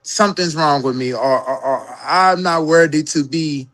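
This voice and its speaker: A woman's voice: deep voice, moderate pace, a bit bright. A trans woman co-hosting a podcast, talking heatedly in a casual group chat, repeating words, cursing and calling the others "girl". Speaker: podcast co-host.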